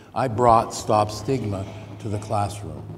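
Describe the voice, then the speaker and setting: A man speaks at a moderate pace in a fairly low voice with fairly even intonation. Noticeable background noise and audible room echo fill the recording. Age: 60s. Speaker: mental health speaker. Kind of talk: testimony.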